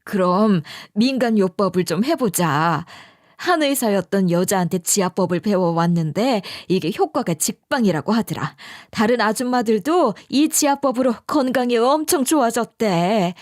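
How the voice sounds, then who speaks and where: A woman's voice: medium pitch, animated, moderate pace, no echo, studio quality, lightly acted. Woman doing a pushy nagging mother-in-law. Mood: scolding. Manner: nagging, scolding.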